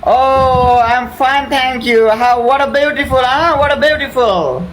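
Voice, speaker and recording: A man from Nepal on a live video chat, talking in broken, repetitive English and getting excited. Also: very high voice, measured pace, a little hiss or hum, low-quality recording. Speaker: livestream guest.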